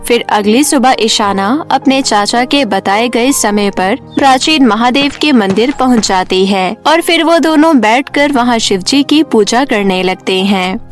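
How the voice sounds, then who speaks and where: A woman's voice: fairly high pitch, animated, a little slow, hardly any pauses, faint music behind. A woman narrating a scripted cartoon story as a storyteller.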